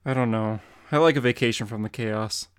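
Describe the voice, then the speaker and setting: A man's voice: medium pitch, fairly quick, smooth, no room sound, close to an everyday voice. A man voicing a cheeky teenage boy sidekick in a dramatic comic reading, asking curious questions.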